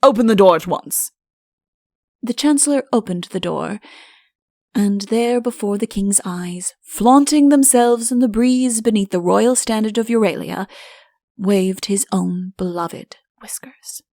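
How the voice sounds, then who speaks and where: Female audiobook narrator, comic fairy tale, scripted storytelling, mid-pitched voice, very dry recording. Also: a little slow, gravelly, dark tone, dry recording.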